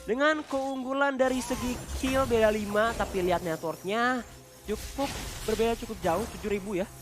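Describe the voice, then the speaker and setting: An Indonesian man works as an esports caster, talking through the match in a casual, analytical way. His voice is high for a man and chatty, as if bantering with a partner. Video game music runs behind him. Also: normal speed. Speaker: esports shoutcaster.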